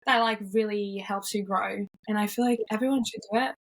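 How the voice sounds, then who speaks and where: A woman's voice: medium pitch, fairly even intonation, a little fast. A young woman from Norway, cheerful and upbeat, chatting casually as an interview guest, with frequent yeahs and ums.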